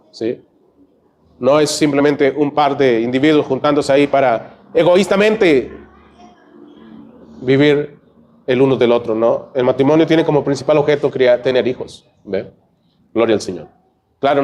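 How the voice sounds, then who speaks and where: A man with a Peruvian Spanish accent preaching a church sermon, peppering his points with quick "¿ve?" and "¿no?" asides to the congregation. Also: mid-range voice, darkish tone. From Peru. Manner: conversational preaching, frequent "¿ve?" and "¿no?" asides. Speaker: pastor. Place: church sanctuary.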